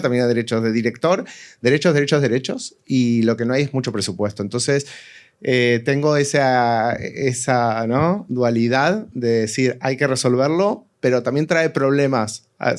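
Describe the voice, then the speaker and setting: He is an Argentine man with a mid-range voice, taking part in an informal panel. He works through his thoughts aloud in halting phrases and repeats words to drive them home. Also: mid-range voice. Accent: Argentine Spanish. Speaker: panelist, audio fiction producer.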